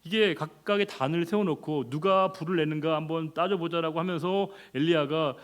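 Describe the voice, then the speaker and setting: Animated, somewhat high-voiced male pastor. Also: a little fast. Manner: animated preaching with rhetorical questions to the congregation; conversational, with sudden jumps in pitch and volume for emphasis. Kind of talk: expository sermon.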